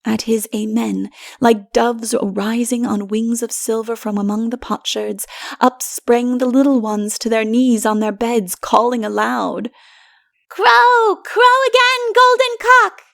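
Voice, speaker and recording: A woman narrating literary fantasy as a dramatic audiobook, expressive and theatrical, sometimes dropping to hushed phrases. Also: a little high, unhurried, gravelly, no echo, clean studio sound.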